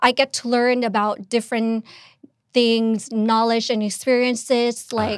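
In a Thai accent, a woman speaks at a fairly slow pace with a fairly high pitch and monotone, flat intonation. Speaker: language practice buddy. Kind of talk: casual interview chat.

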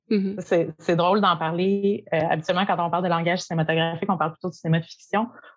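A woman talks at a very fast pace in a Quebec accent. Her pitch is fairly low and her intonation monotone and flat. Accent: fully Quebec French. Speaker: film academy director. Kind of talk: podcast interview.

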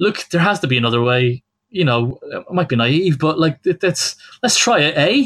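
An Irish accent with very wide pitch swings at a moderate pace, the sound dry and close with no echo. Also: man, fairly high pitch for a man. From Ireland, Wexford. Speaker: comic book writer. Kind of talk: casual interview.

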